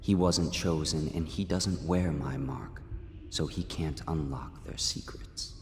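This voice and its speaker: Mysterious detached god in a game, low voice, big echoey reverb. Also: male voice, slow, darkish tone, slight background noise. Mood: aloof, cryptic. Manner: detached, cryptic, faintly disdainful. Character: aloof, enigmatic male supernatural deity. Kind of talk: dramatic game monologue. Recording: long echoing reverb, music behind.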